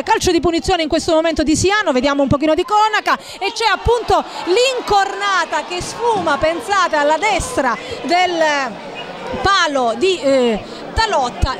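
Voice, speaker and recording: A woman calls a live football match in an extremely high-pitched voice. Her phrasing is wordy and formal, broken by frequent hesitations as she follows the play.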